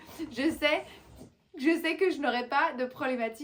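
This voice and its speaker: A woman talks at a moderate speed with ordinary pitch variation against noticeable background noise. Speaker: coach for women entrepreneurs. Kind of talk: tutorial. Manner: calm, measured.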